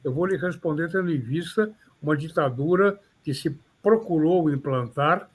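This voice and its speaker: Casting note: older male lawyer with a São Paulo accent, formal and measured, voice sitting a little high. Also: slightly rough. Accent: São Paulo Portuguese. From São Paulo, Brazil. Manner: measured, formal, slightly florid phrasing. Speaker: criminal defense lawyer, guest. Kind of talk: reflective interview answers.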